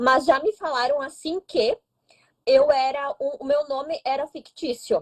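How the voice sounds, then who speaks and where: An animated woman with a southern Brazilian accent, high-pitched with ordinary pitch variation, at a fairly slow pace, in a dry, close sound with no echo. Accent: gaúcho. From southern Brazil (Rio Grande do Sul). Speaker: psychic and actress. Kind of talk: interview.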